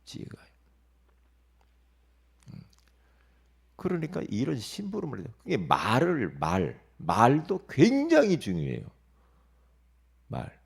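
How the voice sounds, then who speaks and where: A male pastor giving an early-morning sermon, emphatic and lively, asking the congregation rhetorical questions and dropping into quiet asides. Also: medium pitch, vocal fry, husky.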